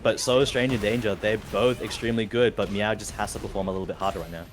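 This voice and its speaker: A man with an Australian accent giving play-by-play and analysis of a fighting game, steady and analytical, lifting with excitement on big moments. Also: lowish voice, fast talker, faint music behind. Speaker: esports caster.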